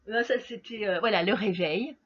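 A woman's voice: mid-range voice, moderate pace. A tired middle-aged woman chatting casually to her viewers while doing her makeup, laughing often and talking to them directly. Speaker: beauty vlogger. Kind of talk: casual makeup chat to camera. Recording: slightly dull home recording with faint noise.

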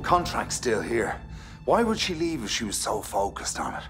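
A man playing an excitable, goofy male crewman in a children's space comedy, talking loudly and jokingly. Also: medium pitch, moderate pace, music in the background. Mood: excited. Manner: excitable, loud, jokey.

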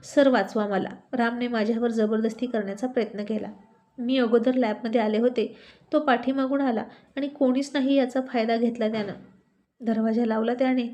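A manipulative young college woman in a narrated story, sly and scheming, as a woman reads her. The voice is fairly high and close to the teller's own. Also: steady tone, moderate pace, warm tone, muffled recording, natural voice. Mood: fake distress.

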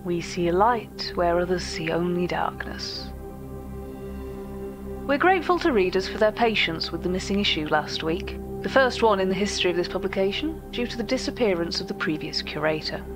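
A woman playing a cultured, earnest art curator, narrating a fiction podcast in a formal, precise and measured manner. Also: on the low side, natural voice. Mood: formal, gracious.

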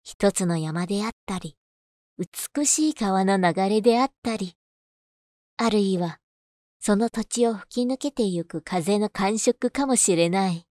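A woman's voice: mid-range voice, unhurried, dark tone, no echo, studio quality. A woman reading scripted narration as a voice-over artist. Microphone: studio condenser microphone on boom arm.

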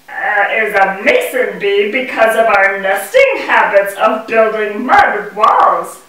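Lady doing a busy little bee puppet for kids, sing-song explaining, high voice, echoey room, mic far off. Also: pushed and bright, exaggerated voice. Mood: friendly. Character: gentle, busy female mason bee puppet, earnest. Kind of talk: rhyming children's educational puppet show. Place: indoor puppet stage in a room. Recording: echoey room, distant microphone.

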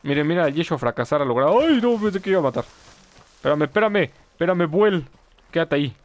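A man's voice: on the high side, animated, fast. A man commenting live on his gameplay, chatting with viewers and yelping at mishaps. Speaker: gaming streamer.

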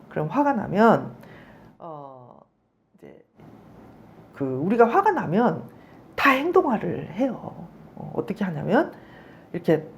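A woman's voice: medium pitch, a little mellow. A middle-aged woman giving a psychology lecture in a conversational way, often checking in with her listeners and acting out angry outbursts as examples. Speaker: psychology professor.

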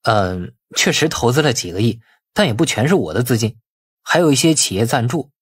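A male narrator plays a wily nephew in an audiobook drama. He argues in a colloquial, glib way with a husky, very animated voice, deferential on the surface. The sound is dry and close. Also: medium pitch, a little fast, dry recording. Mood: ingratiating. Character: wily younger nephew, outwardly deferential, privately grumbling. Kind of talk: audiobook character acting.

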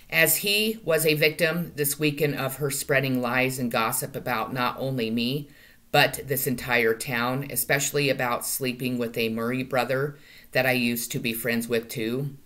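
A woman's voice: extremely low pitch, a bit bright. A middle-aged woman speaking to camera in a monologue, occasionally stumbling and correcting herself, recorded on a webcam in a small room at home. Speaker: vlogger. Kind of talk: monologue to camera, delivering claimed channeled messages.

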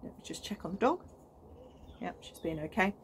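Her voice is on the low side and animated, moving at a moderate pace, as this thirty-something British woman vlogs from her allotment in the UK. She chats casually to camera with lots of enthusiasm, ums and restarts. A faint hiss or hum sits under the recording.

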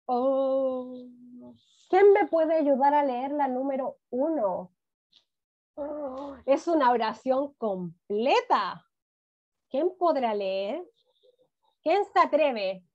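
A woman's voice: sits high, animated. A woman teaching a first-grade reading class over a video call, praising often and drawing words out. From Chile. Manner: warm encouraging praise, drawn-out words, frequent "muy bien". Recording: dull lo-fi video call audio.

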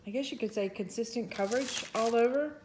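A woman's voice: a little high, fairly quick, noisy background. A woman chatting casually as she demonstrates resin crafting at a table, thinking aloud and poking fun at herself, with a voice others call soothing. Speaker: resin artist, channel host. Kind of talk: casual crafting tutorial narration.

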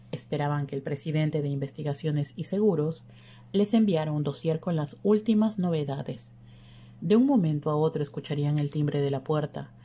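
A woman reads an audiobook aloud in steady, measured narration. Her voice is low and deep. Its tone is very dark and mellow.

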